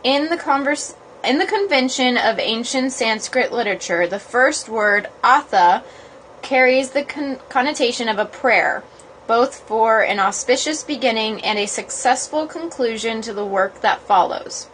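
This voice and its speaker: A woman with a rather high voice hosts a casual livestream about yoga. She is informal and chatty, like someone talking to followers from a small room at home. The phone recording carries a light layer of background noise. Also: animated, measured pace, a bit bright, rough recording. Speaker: yoga blogger hosting a livestream. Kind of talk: casual livestream chat, with halting read-aloud. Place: small, cold, uninsulated cottage room.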